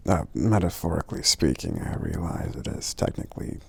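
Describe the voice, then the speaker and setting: Man playing a very deep, gravelly, gentle sleepy giant. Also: lively intonation, exaggerated voice. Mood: thoughtful, gentle. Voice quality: very deep, gravelly, breathy half-whisper. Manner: slow, hesitant, murmuring with frequent hums. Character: gentle, sleepy friendly male giant, affectionate and caring. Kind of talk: ASMR roleplay, soft speaking.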